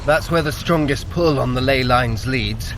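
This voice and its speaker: A man's voice: medium pitch, measured pace, background noise, natural voice. A man playing a clever, wry trickster god with theatrical, formal, old-fashioned phrasing in an audio adventure. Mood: measured, decisive.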